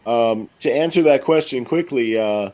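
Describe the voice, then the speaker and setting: A man's voice: mid-range voice, normal speed, warm tone. A man from Chicago hosting a live-stream chat, hesitant and often repeating words as he asks questions. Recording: slightly dull lo-fi sound.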